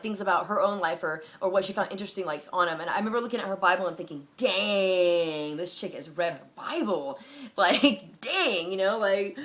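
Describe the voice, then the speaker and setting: A young adult woman talking casually to her viewers, rambling with many fillers and breaking into animated impressions. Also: medium pitch, slight background noise. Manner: rambling, filler-heavy, animated, mimics people with loud barking sounds. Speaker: vlogger. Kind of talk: casual talk to camera.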